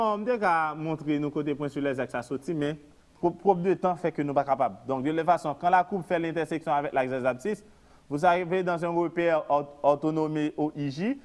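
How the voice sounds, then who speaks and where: A man with a Haitian Creole accent teaches a math lesson at the board in a fairly high voice. He repeats each step and keeps asking the students whether they follow, slipping between French and Creole. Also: a little mellow. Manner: repetitive, questioning the class, mixing French and Creole.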